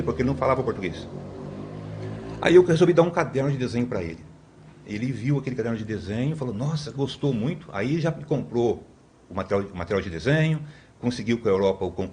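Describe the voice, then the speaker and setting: A man's voice: mid-range voice, a little mellow, slight background noise. A man in his fifties from Brazil, a podcast guest telling long stories in a rambling way, with many tag questions and restarts. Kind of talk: conversational storytelling.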